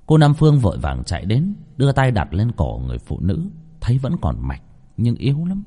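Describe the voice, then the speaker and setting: A man narrating a ghost story with a dramatic, lively reading. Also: medium pitch, a little fast, husky.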